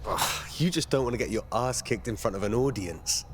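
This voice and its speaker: A man's voice: medium pitch, expressive, brisk, a little hiss or hum, lightly acted. A man playing a cocky, driven young warrior hero in a video game, with a brash, self-assured manner. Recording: music behind the voice.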